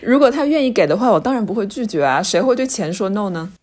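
A woman co-hosting a podcast, chatting casually, earnest and quick to laugh. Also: medium pitch, animated, a little mellow. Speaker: podcast co-host. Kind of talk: casual chat.

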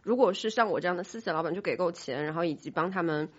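A woman with a slightly low voice talks quickly in a casual podcast discussion. She is frank and self-critical, explaining herself as she goes. The recording is a little muffled and band-limited. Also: slightly rough. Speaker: podcast host, company boss. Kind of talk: casual panel chat. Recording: dull, band-limited sound.

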